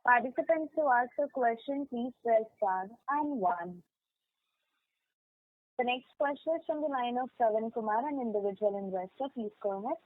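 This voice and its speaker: A woman announces as a conference call operator in scripted phrases. Her voice is on the high side. The audio is narrow like a phone line, with clear noise. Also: lively intonation, moderate pace.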